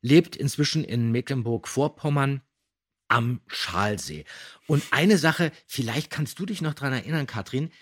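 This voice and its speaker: Chatty man telling anecdotes, slightly husky. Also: mid-range voice, animated, unhurried. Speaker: podcast host. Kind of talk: casual podcast talk with anecdotes and background facts.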